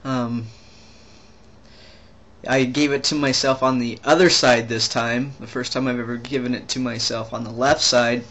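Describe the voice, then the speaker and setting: A young trans man talking casually in a video diary, rambling and halting with many restarts and fillers. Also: medium pitch, fairly even intonation, a bit bright, a little hiss or hum. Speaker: vlogger.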